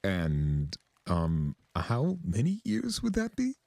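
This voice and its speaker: A man's voice: deep voice, wildly swooping pitch, slow, creaky, darkish tone, no echo, pitched above the performer's own voice, exaggerated voice. A man voicing a timid, flustered male pegasus clerk in a cartoon fan story, hesitant, polite and literal. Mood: nervous. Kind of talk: cartoon fan fiction reading.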